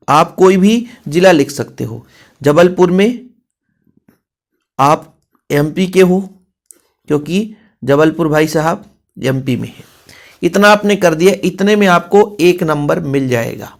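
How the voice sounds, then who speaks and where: Male coaching teacher, slightly high voice, instructive delivery with repeated phrases and frequent check-ins. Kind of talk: classroom lesson explanation, Hindi mixed with English terms.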